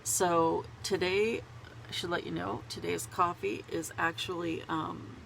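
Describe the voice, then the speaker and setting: Congested woman with a gravelly voice. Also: fairly low pitch, steady tone, a little slow, fairly bright tone, a little hiss or hum, rough recording. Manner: rambling and chatty, laughs at herself. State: congested with a cold. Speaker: knitting vlogger. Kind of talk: casual chat to camera. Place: small home closet.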